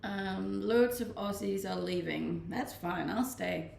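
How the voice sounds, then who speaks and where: With a medium-pitched voice marked by vocal fry, a young Danish woman speaks slowly on a live stream. She reads chat questions out loud and answers them casually, and her roomy, far-miked home audio has a bit of hiss or hum.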